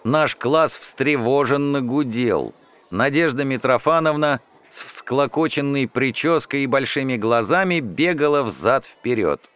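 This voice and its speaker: Slow, expressive male audiobook narrator. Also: medium pitch, clean tone. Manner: expressive, first-person storytelling.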